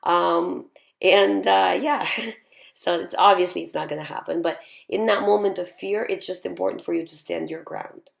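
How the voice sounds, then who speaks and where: A woman hosting a live show and answering viewer questions in a calm, reassuring way, her voice still hoarse from having lost it. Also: fairly low pitch, moderate pace. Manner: calm, reassuring, repeats key points. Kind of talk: casual advice talk.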